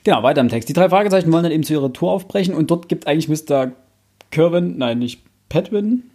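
A man's voice: fairly high pitch, expressive, fast, warm tone. A man co-hosting a podcast in a casual book discussion, colloquial and blunt, now and then mildly crude. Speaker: podcast co-host.

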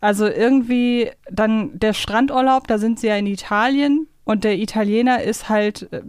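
A woman's voice: fairly high pitch, moderate pace, darkish tone, clean tone, no echo, studio quality. A woman chatting casually as a podcast co-host.

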